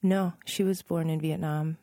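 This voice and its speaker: A woman in her thirties from Northern Virginia, a musician answering interview questions in a relaxed, thoughtful way, pausing and correcting herself and laughing softly. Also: low voice, no room sound, clean studio sound. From Northern Virginia, USA. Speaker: musician guest.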